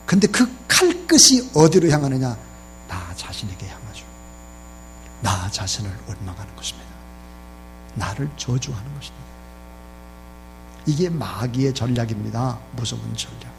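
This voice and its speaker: A man's voice: medium pitch, lively intonation, normal speed, long pauses, a little hiss or hum, rough recording. A man preaching a sermon as pastor, emphatic, leading his congregation to repeat lines after him.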